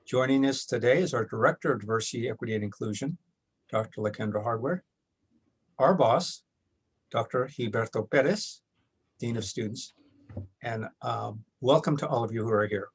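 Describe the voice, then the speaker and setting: Husky man moderating a video call. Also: medium pitch. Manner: measured and formal, reads introductions with occasional restarts. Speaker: workshop moderator. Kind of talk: formal welcome and introductions on a video call.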